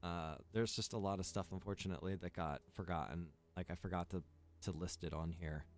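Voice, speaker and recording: A man's voice: deep voice, steady tone, fairly quick. A man who runs and develops a game server, chatting casually on a livestream, rambling with lots of fillers and listing features one by one.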